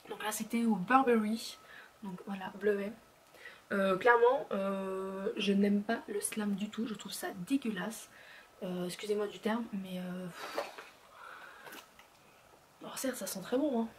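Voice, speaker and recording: A woman's voice: fairly high pitch, slight background noise. A woman in her thirties chatting casually as a beauty vlogger, full of fillers and restarts, sometimes dropping to a murmur. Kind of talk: casual chat.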